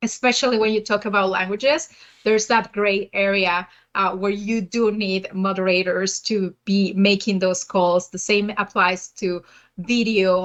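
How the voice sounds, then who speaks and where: A woman speaks at a fairly slow pace with a Spanish accent. Her pitch sits in the medium range, with ordinary pitch variation. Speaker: trust and safety manager. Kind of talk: casual interview.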